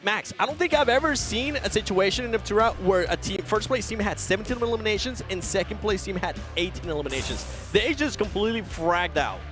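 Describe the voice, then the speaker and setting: Quick, teasing male esports caster. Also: sits high, animated, over music. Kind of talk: esports analysis commentary.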